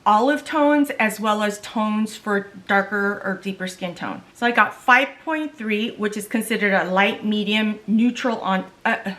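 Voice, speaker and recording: A woman's voice: mid-range voice, a little slow, hardly any pauses, fairly bright tone, slight background noise. A middle-aged woman whose first language is Korean, chatting through a makeup wear test and often hunting for words and starting over. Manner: chatty, loses words and restarts. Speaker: beauty vlogger. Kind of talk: casual makeup tutorial chat.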